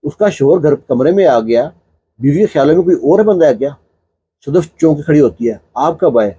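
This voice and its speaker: A man tells a domestic story in a loose, chatty manner, often breaking it up with small fillers. His voice is husky and mellow, and it sits fairly high for a man. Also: expressive. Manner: conversational, filler-laden narrating. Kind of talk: casual spoken storytelling.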